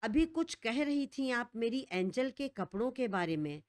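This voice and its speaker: A woman's voice: a little high, lively intonation, a little slow, no room sound, clean studio sound. A woman voicing an arrogant, protective young husband who speaks curtly and sternly. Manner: curt and stern.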